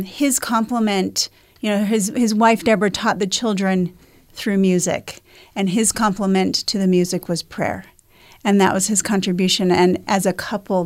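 A woman hosting a faith discussion, affirming others and asking questions. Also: mid-range voice. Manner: warmly affirming, leads with questions. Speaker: discussion host.

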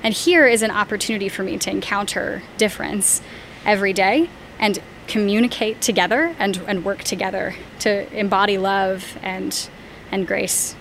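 A woman speaking in a measured, earnest way during an interview. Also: mid-range voice, steady tone, fairly bright tone, a little hiss or hum. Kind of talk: reflective conversational interview.

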